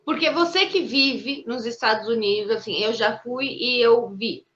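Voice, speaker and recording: A woman's voice: fairly high pitch, unhurried, fairly bright tone. A woman with a Brazilian Portuguese accent, interviewing a guest and talking hesitantly with many fillers. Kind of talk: conversational interview. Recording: dull lo-fi sound.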